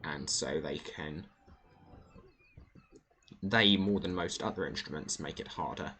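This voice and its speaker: A man's voice: very deep voice, measured pace, bright, forceful tone, a little hiss or hum. A man streaming a video game, thinking aloud in a casual, rambling way with many fillers. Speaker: gaming streamer. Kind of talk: casual gameplay commentary.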